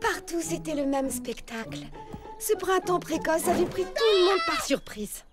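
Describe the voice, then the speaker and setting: A playful cartoon storyteller, narrates in a very high, animated voice. She is patient and teasing, spinning out the suspense for young listeners. Music runs behind her. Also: moderate pace. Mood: suspenseful. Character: patient, playful female storyteller reading her own book.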